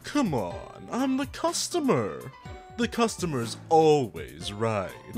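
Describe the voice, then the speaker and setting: Over clear music in the background, a man performs a cartoonish character voice at a very slow pace. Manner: smarmy, entitled.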